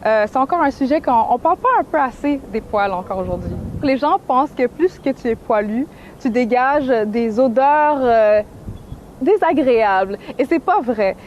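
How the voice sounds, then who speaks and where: A woman's voice: on the high side, lively intonation, normal speed, darkish tone, highs cut off, slight background noise. A woman in her twenties with a Québécois French accent, talking candidly in an interview and laughing easily. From Canada. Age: 20s. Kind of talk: casual interview talk.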